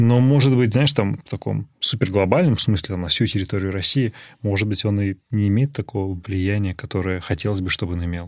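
This man talks at a fairly quick pace with a fairly low pitch and ordinary pitch variation. The recording is very clean, with a silent background. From Chelyabinsk, Russia. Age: 20s. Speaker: podcast host. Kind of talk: interview.

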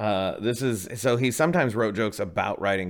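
A man with a plain, everyday voice, lively intonation and a fairly quick pace, on a very clean recording with a silent background. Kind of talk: casual chat.

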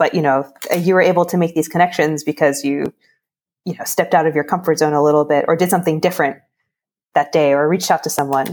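With an American accent and a very deep, low pitch, a woman rattles along at a very fast pace in a monotone, flat delivery. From US Northeast (New Jersey). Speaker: software developer and hobby mapmaker. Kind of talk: casual interview chat. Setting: remote call. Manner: hesitant, many fillers.

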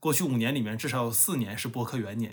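A man speaks with a Northeastern Chinese accent at medium pitch. The recording is very clean, with a silent background. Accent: Northeastern Mandarin. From Northeast China. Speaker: podcast host and tech founder. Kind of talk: scripted narration.

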